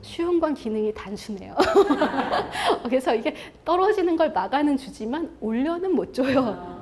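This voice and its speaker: A woman columnist giving a televised lecture, chatty and animated, acting out inner thoughts and often laughing as she talks. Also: high voice, measured pace, background noise. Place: lecture stage before an audience.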